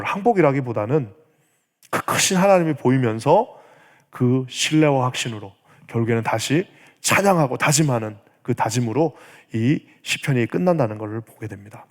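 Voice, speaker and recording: A male pastor preaching a sermon, animated, acting out prayers in his own voice. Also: mid-range voice. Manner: animated, acts out prayers in quoted voice. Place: church sanctuary. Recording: church hall reverb.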